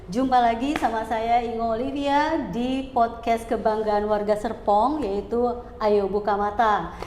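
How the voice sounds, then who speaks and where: A woman's voice: fairly high pitch, fairly even intonation, normal speed, darkish tone. Upbeat woman hosting a podcast. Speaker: podcast host. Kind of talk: podcast host intro and interview questions. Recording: echoey room with long reverb and faint hiss.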